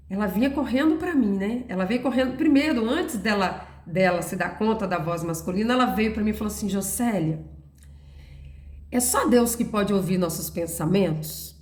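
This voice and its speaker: A woman's voice: medium pitch, a little mellow. A woman giving an earnest, storytelling Christian testimony, sharing her faith in a personal talk. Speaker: Christian devotional speaker. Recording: roomy echo.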